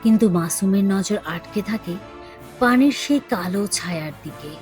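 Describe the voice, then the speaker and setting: A woman narrates a scripted horror story. Her pitch is average for a woman. Music plays clearly behind her throughout. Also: animated, moderate pace, darkish tone. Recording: prominent music bed behind voice.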